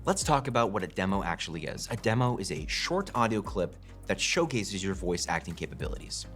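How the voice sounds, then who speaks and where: A man presenting a scripted instructional video in the polished style of an explainer. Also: on the low side. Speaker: voice-over talent team presenter.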